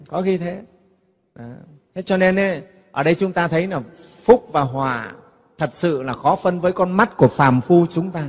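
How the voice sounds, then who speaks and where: A man's voice: fairly high pitch, long reverb tail. A man giving a Buddhist sermon, talking to his audience in a conversational way and often asking if they follow. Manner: conversational, keeps asking "nghe không?" to the audience. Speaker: Buddhist monk giving a dharma talk.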